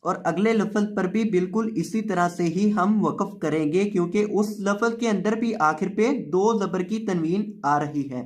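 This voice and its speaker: A male Quran reading teacher who spells out letters and vowel marks, then drawls each word slowly, speaking with an Urdu-speaking South Asian accent. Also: sits high. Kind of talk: slow spelled-out recitation lesson.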